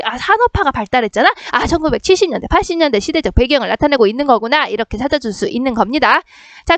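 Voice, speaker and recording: A high-pitched young woman teaches literature at a rapid clip, firing off questions and answering them herself. Her voice sits close and dry, with no room sound around it. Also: no echo. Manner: brisk, question-and-answer teaching rhythm, frequent "자" prompts. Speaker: middle school Korean literature teacher. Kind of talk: recorded lesson explaining a worksheet.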